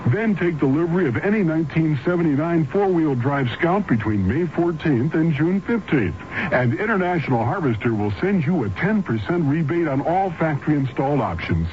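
Male commercial announcer, fairly high voice with animated intonation, reading scripted radio copy on a muffled recording. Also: normal speed, slight background noise.

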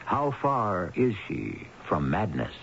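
A man's voice: low-pitched, sing-song, slow, creaky, a bit bright, a little hiss or hum. A man hosting and narrating a radio mystery in a theatrical, portentous scripted style. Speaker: host and narrator. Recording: dull vintage radio recording. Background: music.

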